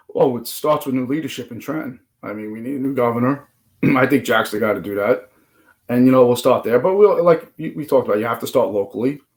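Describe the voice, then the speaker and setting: With a slight New Jersey accent, the speaker races at a very fast pace, with big swings in loudness and ordinary pitch variation. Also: man, medium pitch for a man. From New Jersey, Jersey City. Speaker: local politician. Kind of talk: political interview. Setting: live stream. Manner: animated.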